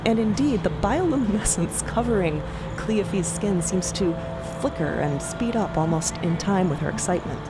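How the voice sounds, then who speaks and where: A woman narrating a fantasy audio drama in an expressive, descriptive storytelling style. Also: mid-range voice, normal speed, over loud music.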